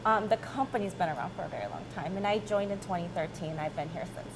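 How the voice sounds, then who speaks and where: A woman's voice: fairly low pitch, lively intonation, fast talker, music in the background. A woman in her late thirties, born in South Korea, chatting easily and laughing as an interview guest about her work as a chemist. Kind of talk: casual interview. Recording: noisy background.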